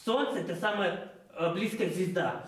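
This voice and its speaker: An actor playing a cheerful know-it-all clown on a children's TV show, explaining eagerly with lots of fillers. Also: male voice, sits high, normal speed, slight background noise, natural voice. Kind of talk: playful children's TV banter. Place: indoor TV studio set. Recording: roomy studio set, mic at a distance.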